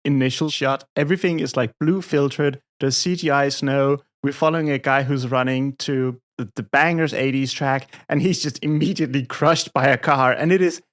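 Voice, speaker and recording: A woman co-hosting a comedy podcast, talking through a film in a rambling, irreverent way with quick asides. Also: extremely low pitch, steady tone. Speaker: podcast co-host. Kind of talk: casual comedic chat about a film.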